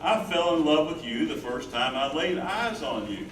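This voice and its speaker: A man's voice: on the high side, lively intonation, normal speed, natural voice. A man playing a tender, devoted older husband caring for his wife in a staged reading of a play. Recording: roomy distant stage mic, loud noise.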